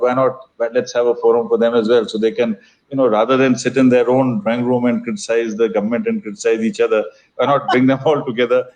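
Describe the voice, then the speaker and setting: An older man with an educated Indian accent, a festival organiser, explains things conversationally in an interview. His medium-pitched voice is a little mellow, and the recording is muffled. He's articulate and formal in his word choice, but halting and discursive, circling back and repeating phrases.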